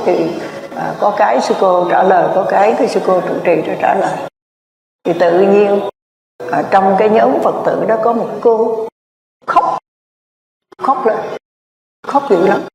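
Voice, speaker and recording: A Buddhist nun, telling a story in a rambling sermon full of filler words. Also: female voice, mid-range voice, vocal fry, a little mellow. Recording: echoey hall, distant mic.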